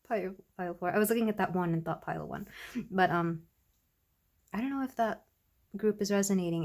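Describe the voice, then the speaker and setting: A woman with a congested voice, recovering from illness, giving a soft, rambling tarot reading to her viewers. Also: medium pitch. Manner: soft, rambling, with many fillers. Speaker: tarot reader. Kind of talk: casual tarot reading to camera.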